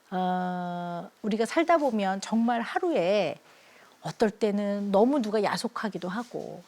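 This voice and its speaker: Woman, child psychiatrist, talk show guest, higher pitch, earnest storytelling, acts out quotes. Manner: warm, earnest storyteller who acts out the people she quotes. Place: TV studio.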